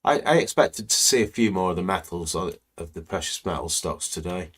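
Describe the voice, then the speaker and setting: A man hosts a live stream, commenting on stock screens in a rambling, conversational way full of fillers. His voice is croaky and a little hoarse today. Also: low voice, animated, fairly quick. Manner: conversational, rambling, many "you know" fillers. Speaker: trading educator hosting live stream.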